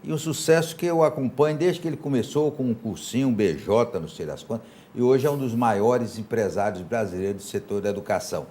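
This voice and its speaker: A man's voice: medium pitch, fairly quick, warm tone. A man hosting an informal TV interview, teasing his guest and leading his questions with a jovial tone. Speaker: TV talk show host.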